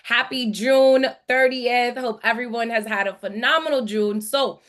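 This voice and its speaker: A woman's voice: a little high, unhurried, fairly bright tone. A woman from the Dominican Republic and the US East Coast presents a live online masterclass as a brand coach, in an emphatic, motivational manner that repeats phrases for weight. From born in the Dominican Republic, grew up in New York City and South Florida.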